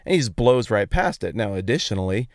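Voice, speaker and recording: American guy doing a chatty podcast monologue, playful, clean smooth voice, pretty dry sound in a truck. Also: on the low side, brisk, dry recording. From Colorado, United States. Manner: playful, animated emphasis, colloquial phrasing. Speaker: podcast host. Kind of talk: casual conversational Bible talk, storytelling monologue. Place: inside a parked truck outdoors on a street.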